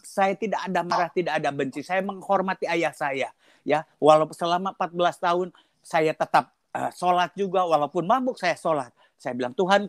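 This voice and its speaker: Man giving an animated personal testimony. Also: on the high side, dry recording, studio quality. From Indonesia (Sundanese). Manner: animated storytelling, code-switching to English. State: coughing. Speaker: testimony guest.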